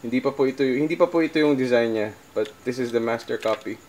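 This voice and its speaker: A middle-aged Filipino man talks casually to viewers in a halting, conversational vlog style, thinking aloud as he demonstrates. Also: medium pitch, a little mellow, a little hiss or hum. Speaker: musician vlogger.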